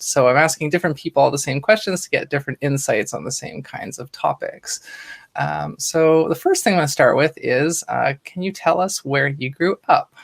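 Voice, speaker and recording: A woman's voice: sits low, vocal fry. A woman hosting a podcast interview, talking casually and rambling a bit, with lots of fillers and restarts. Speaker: podcast host. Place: Toronto, Canada.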